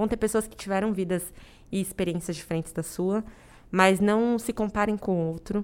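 A woman speaks at a fairly quick pace, her pitch medium and intonation fairly even. It is a plain, everyday voice. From interior of São Paulo state, Brazil. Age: 20s. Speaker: corporate trainee. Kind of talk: casual interview chat.

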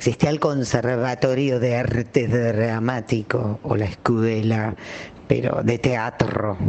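A woman speaks at a very slow pace in a very deep, low pitch, with fairly even intonation. Noticeable background noise runs under her voice. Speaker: performer. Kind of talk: interview testimony. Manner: halting.

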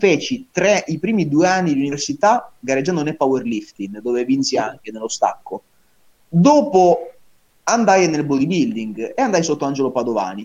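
This man's voice sits fairly high in pitch. He speaks at a moderate pace with very wide pitch swings. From Apulia, southern Italy. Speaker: bodybuilding coach. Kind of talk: casual chat. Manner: animated.

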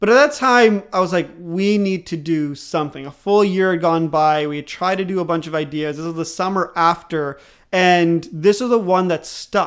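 A man with a high voice talks with ordinary pitch variation and hardly any pauses. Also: moderate pace. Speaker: entrepreneur. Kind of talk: casual interview.

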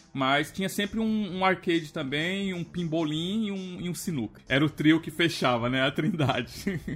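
A man's pitch swings very widely as he talks at a moderate pace, with music in the background. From interior of Pernambuco, Brazil. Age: 30s. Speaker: podcast co-host. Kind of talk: casual chat.

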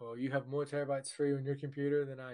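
Here a man speaks at medium pitch with an American accent. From Virginia, US. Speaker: gamer and streamer. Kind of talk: casual chat.

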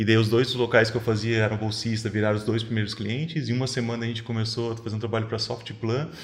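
Very fast speech runs along with fairly even intonation. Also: man. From Santa Catarina, Brazil (Rio do Sul). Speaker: journalist and communications consultant. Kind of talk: podcast interview.

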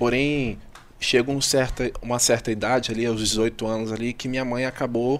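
A man talks in a normal speaking voice. His pace is moderate and his intonation fairly even. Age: 20s. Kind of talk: testimony.

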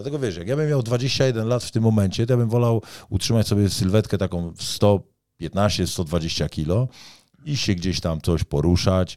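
On a very clean recording with a silent background, a man with a fairly low voice and a dark, mellow tone speaks at a moderate pace with lively intonation. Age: 40s. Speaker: strongman athlete. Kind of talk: casual chat.

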